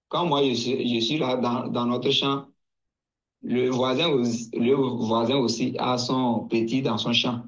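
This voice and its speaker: A man from Togo giving a slow personal testimony. He hesitates, restarts and repeats words as he recalls events. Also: medium pitch, muffled recording. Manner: hesitant, halting, with many restarts and repetitions.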